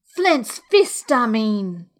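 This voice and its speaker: A woman voicing a furious, domineering blind old pirate man who shouts orders in an audiobook. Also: a little high, very animated, extremely slow, exaggerated voice. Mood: impatient rage. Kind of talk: dramatic audiobook character voice.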